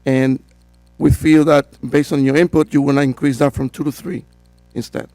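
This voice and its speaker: A man with a cold, hoarse, giving a steady, procedural presentation to a town council as code enforcement director. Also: mid-range voice, moderate pace, no echo. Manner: steady and procedural, with frequent fillers.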